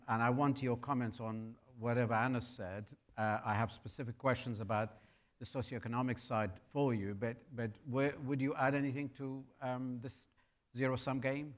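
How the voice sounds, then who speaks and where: A man's voice: medium pitch, fairly even intonation, normal speed. Man from Iraq moderating a panel. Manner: steers questions, cuts in politely. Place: conference hall.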